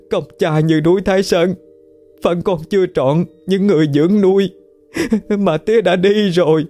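A man's voice: unhurried, dark tone, soft background music. A man with a Southern Vietnamese accent voicing a young woman who wails and sobs over a coffin. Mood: wailing. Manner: sobbing, shrill wailing. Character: young woman wailing hysterically at a funeral.

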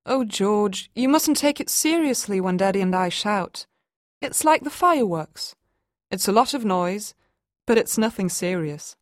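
A woman voicing an exasperated young mother who snaps and shouts at her husband. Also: lively intonation, measured pace, no echo, clean studio sound, natural voice. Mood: relieved. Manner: shrill and frantic when arguing.

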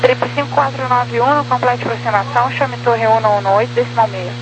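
A woman working as an air traffic controller, giving brisk phraseology over a crackly aviation radio. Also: on the high side, steady tone. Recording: crackly radio with hum and noise.

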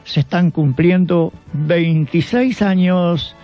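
A man's voice: high voice, slow, mellow. A man with an Argentine accent reading a scripted biographical narration as a radio show host. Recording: dull lo-fi sound with background music. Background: music.

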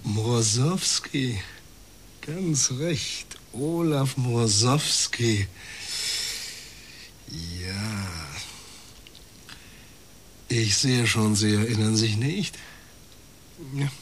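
An actor playing a courteous Catholic priest in a radio drama, speaking formally and with great deliberation. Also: male voice, mid-range voice, drawn-out words, pauses often, slight background noise. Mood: deliberate, reminiscing. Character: unhurried, courteous male Catholic priest with a past. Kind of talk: radio crime drama acting.

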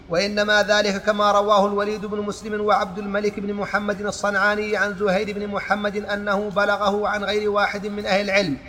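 High, monotone man reciting in a hall. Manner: steady recitation with occasional restarts. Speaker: student reading a text aloud. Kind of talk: reciting a religious text in a lesson. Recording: long hall reverb with faint noise.

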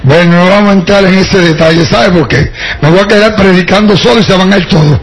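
Speaking quickly in a high-pitched voice, an older man from Puerto Rico gives his testimony before a congregation in a Puerto Rican Spanish accent. He talks straight to his listeners and drops in wry jokes, though the recording quality is low.

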